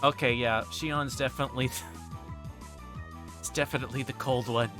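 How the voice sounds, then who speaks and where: A male streamer chats casually to his viewers while playing a visual novel. He rambles and interrupts himself in a flustered way, with music playing clearly behind him. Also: mid-range voice, steady tone, normal speed. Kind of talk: casual livestream chat and story read-aloud. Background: game music.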